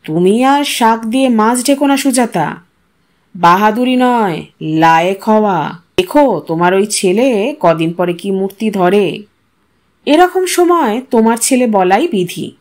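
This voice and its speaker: A woman storyteller voicing a wry, resigned father who speaks slowly and dryly. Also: mid-range voice, animated, darkish tone, natural voice. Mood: wry warning.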